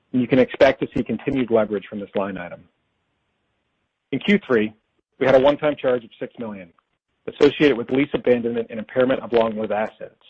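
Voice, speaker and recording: A man presenting as a company finance executive on an earnings call, reading prepared figures in a formal, measured way. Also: medium pitch, husky. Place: conference call. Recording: dull, lo-fi conference call audio.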